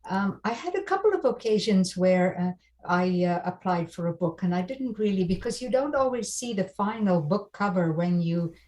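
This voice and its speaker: A woman's voice: mid-range voice, expressive, normal speed, few pauses, darkish tone. A woman from South Africa whose first language is Afrikaans, an audiobook narrator chatting as a guest over a video call, thoughtful with small restarts. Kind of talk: casual video call chat.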